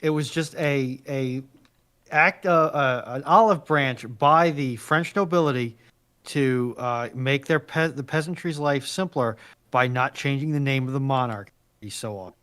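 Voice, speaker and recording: A man in casual chat on a panel, talking in a halting, tongue-in-cheek way. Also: medium pitch, a bit bright, clean tone. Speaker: panelist on a live stream.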